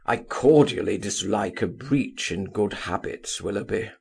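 Man reading pompous husky old clergyman. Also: lowish voice, a little slow, a little mellow, voice pushed down, heavily acted. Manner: pompous, orotund. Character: pompous, puffing older clergyman doctor.

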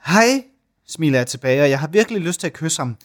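A man, a podcast co-host, reading a listener's story aloud with lively jumps into high voices for the quoted lines. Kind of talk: dramatic reading with banter.

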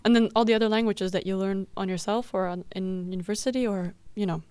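A young woman from Belgium, Dutch her first language, talks casually in a dry, close studio sound. She explains at length, with many fillers and restarts. Her voice sits in a middle pitch. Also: steady tone, fast talker, a little mellow, clean tone, no room sound. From Belgium, Limburg in Flanders. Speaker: radio show host and guest. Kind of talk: casual radio chat. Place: student radio studio.

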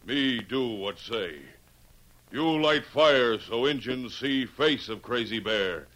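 An actor playing a proud Native American chief in a 1950s radio western, speaking slowly in halting broken English. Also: male voice, medium pitch, a bit bright, poor audio. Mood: solemn, yielding. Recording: old radio broadcast recording.

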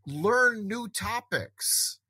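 Bright, high-voiced man, earnest talk. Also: expressive, drawn-out words, breathy edge, no echo. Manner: earnest, reflective, many restarts. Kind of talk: casual conversation.

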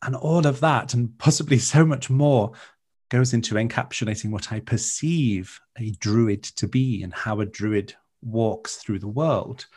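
A man with a Welsh accent, a native Welsh speaker, talking as a guest in an interview in a measured, lyrical, reflective way. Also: mid-range voice, a little mellow, slightly rough. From Wales. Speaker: guest, author. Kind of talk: interview conversation.

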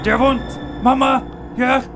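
A man's voice: very high voice, level tone, creaky, noisy background, voice pushed up. A man voicing a possessed young girl who shrieks and pleads in pain. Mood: screaming.

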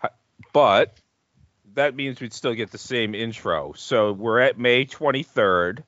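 A man's voice: medium pitch, slow pace, fairly bright tone, no room sound, muffled recording. A man co-hosting a podcast, rambling and joking in casual chat with restarts. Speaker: podcast co-host. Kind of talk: casual chat about wrestling.

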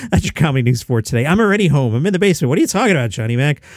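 Male podcast host, casual and rambling, slightly high and winded, dry close sound. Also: animated, racing, dry recording. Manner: chatty, rambling asides. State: out of breath. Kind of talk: casual chat. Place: home basement.

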